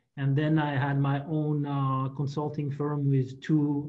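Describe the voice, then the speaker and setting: Somewhat breathy, fairly high male voice with a French accent, flat monotone intonation and a fairly slow pace. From France. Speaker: business executive. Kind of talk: webinar presentation.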